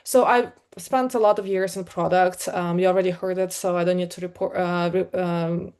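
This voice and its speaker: A middle-aged woman from Ukraine with a Ukrainian accent, giving a conversational conference talk as a product leader, with many fillers and an energetic delivery. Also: fairly low pitch, normal speed, smooth. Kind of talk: live talk to an online meetup.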